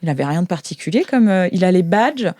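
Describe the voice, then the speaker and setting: A woman with a French accent improvising narration as game master of a tabletop role-playing game, thinking aloud in halting phrases. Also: fairly low pitch, animated, warm tone, no echo. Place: studio.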